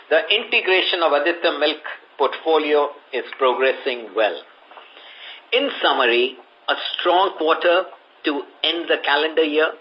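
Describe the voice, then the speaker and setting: A man with an Indian accent, reading a prepared earnings presentation as a company executive on a conference call. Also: fairly high pitch. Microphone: conference call line. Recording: muffled conference call audio.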